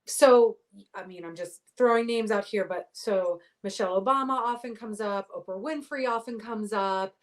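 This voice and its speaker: Middle-aged woman expert, clear and explanatory, mid-range voice. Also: medium pitch, moderate pace. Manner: articulate, explanatory, uses athletic analogies. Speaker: voice pathologist guest. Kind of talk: interview answers.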